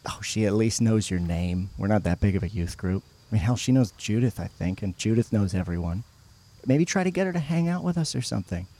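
A man's voice: on the low side, animated, a little fast, mellow. A man playing a frank, teasing teenage friend from a youth group in naturalistic audio drama dialogue. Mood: teasing, encouraging. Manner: casual, nudging, frank.

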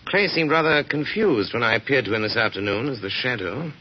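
An actor playing Lamont, a calm and confident male detective, in a 1930s radio drama. He speaks in a brisk, assured way. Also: medium pitch, natural voice. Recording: dull radio recording with faint hiss.

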